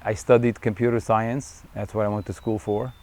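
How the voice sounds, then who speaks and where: A Syrian wildlife photographer in middle age speaks slowly and thoughtfully during a profile interview, often pausing with fillers and starting sentences over. His voice is lowish and somewhat dark, with a level tone.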